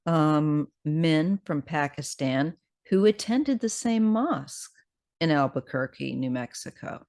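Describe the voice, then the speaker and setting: A tarot reader with a scratchy voice, talking casually and haltingly, unscripted, sometimes reading aloud. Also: mid-range voice, lively intonation, a little mellow. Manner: hesitant, halting delivery. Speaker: tarot card reader host.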